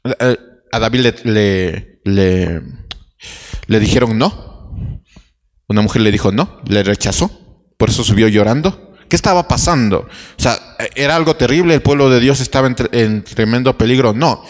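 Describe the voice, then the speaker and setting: A man's voice: mid-range voice, moderate pace, big-room sound. A man preaching a sermon, telling a Bible story with restarts and rhetorical questions.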